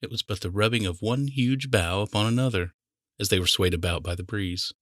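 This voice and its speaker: A man's voice: fairly low pitch, fairly quick, fairly bright tone, dry recording, clean studio sound. A man reading fiction aloud as a scripted audiobook narrator.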